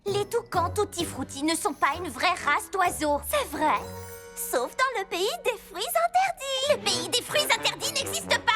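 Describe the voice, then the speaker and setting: A woman's voice: extremely high pitch, lively intonation, a little slow, pushed and bright, faint music behind, exaggerated voice. A woman voicing a spirited, talkative young girl in a French cartoon dub, speaking expressively and with emphasis. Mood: earnest storytelling.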